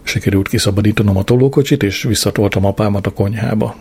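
A man's voice: fairly low pitch, darkish tone, breathy edge. A man reading a first-person diary story aloud in a dry, matter-of-fact way. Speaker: audiobook narrator.

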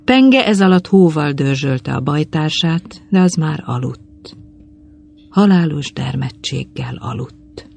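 Gravelly, husky solemn storyteller. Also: mid-range voice, animated, darkish tone. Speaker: narrator. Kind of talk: literary story reading.

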